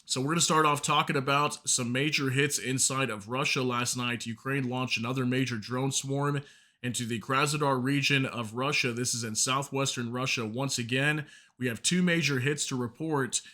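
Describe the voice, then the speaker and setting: Hosting an informal war news update, this man talks to his viewers casually and says sorry whenever a hard name trips him up. A sore throat leaves his bright, forward, mid-pitched voice slightly hoarse. He keeps a steady tone at a normal speed.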